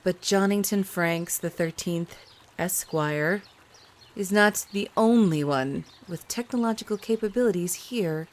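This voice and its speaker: An actress playing a haughty, menacing envoy of an elite enclave, deliberate and mock-polite, in a radio drama broadcast. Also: female voice, lowish voice, close to an everyday voice. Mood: smug, condescending.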